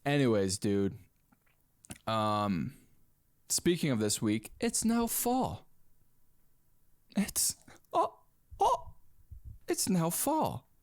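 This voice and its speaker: A man's voice: mid-range voice, very slow, pauses often. A man in his twenties hosting a casual solo podcast, rambling and calling everyone "dude". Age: 20s. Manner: rambling, animated, says "dude" a lot. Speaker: podcast host.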